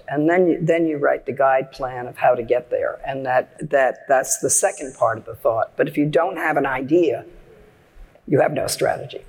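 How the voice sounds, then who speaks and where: A woman's voice: extremely low pitch, creaky, darkish tone, breathy edge. A woman speaking on a design panel at a live conference, opinionated and emphatic, restarting her sentences as she builds a point. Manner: emphatic, opinionated, repeats words when starting. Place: large conference hall, live audience. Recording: hall reverb on stage.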